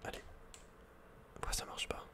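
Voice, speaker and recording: A man whispering casual, slangy, playful game commentary in a breathy ASMR style, close to the microphone. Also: normal speed. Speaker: ASMR video game player.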